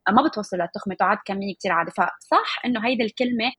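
A woman's voice: medium pitch, very fast, fairly bright tone, breathy edge, dry recording, studio quality. A woman with a Levantine Arabic accent explaining things conversationally as an expert guest, mixing English words into her Arabic. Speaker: guest nutritionist specializing in eating disorders.

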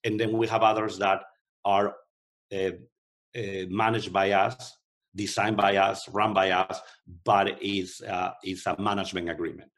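A man's voice: fairly low pitch, level tone, measured pace, a bit bright. A man from Spain with a Spanish accent, an executive answering interview questions thoughtfully, often restarting with fillers. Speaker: company executive.

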